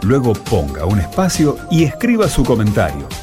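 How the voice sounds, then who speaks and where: Animated male announcer over loud music. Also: on the low side, moderate pace. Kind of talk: scripted promotional announcement.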